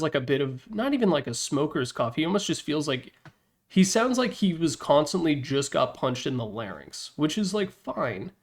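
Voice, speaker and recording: A man giving casual, opinionated video game commentary as a presenter, speaking informally with slangy emphasis. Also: a little high. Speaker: presenter ranking game announcer packs.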